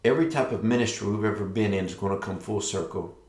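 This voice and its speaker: A middle-aged man with a fairly low voice presents a devotional prophetic talk in a noticeably echoey space. He talks as best he can around a sore mouth with fresh stitches from dental surgery, sharing and commenting as a ministry leader. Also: fast, a little mellow. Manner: careful, slightly impeded speech from a sore, stitched mouth after dental surgery. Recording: echoey, roomy sound.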